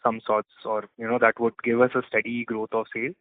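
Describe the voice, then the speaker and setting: A man's voice: mid-range voice, flat delivery, fairly quick, no echo. A man with an Indian accent asking questions as an analyst on a conference call, in a conversational style. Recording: dry, tinny phone line.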